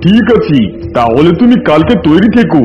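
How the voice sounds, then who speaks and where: A man plays a bossy cartoon tiger king, boastful and sly. The voice is pitched fairly high and swings about in lively fashion. The sound is a bit muffled, with faint music behind. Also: normal speed. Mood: commanding, sly. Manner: blustering, bossy. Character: scheming, boastful, hungry tiger king of the jungle. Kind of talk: animated fable character acting.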